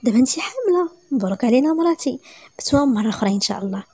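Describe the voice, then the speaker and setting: A woman voicing a playful, affectionate young husband in a story, with a Moroccan accent and calm, matter-of-fact delivery. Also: sits high, racing, husky, dry recording, clean studio sound, heavily acted. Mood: teasing. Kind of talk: storytelling with acted dialogue.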